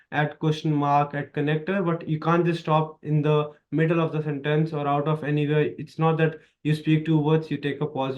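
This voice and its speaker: A man's voice: fairly high pitch, highs cut off. Indian man coaching exam skills. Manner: emphatic, repetitive coaching with lively hand gestures. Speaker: exam prep tutor. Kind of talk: instructional video lesson. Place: small dark studio, indoors.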